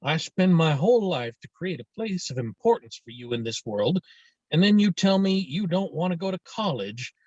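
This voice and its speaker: A man's voice: on the high side, very animated, normal speed, a little mellow, dry recording, muffled recording. A man acting a proud, domineering father who presses his son, in a table read of a drama script. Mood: stern, insistent. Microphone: video call microphone.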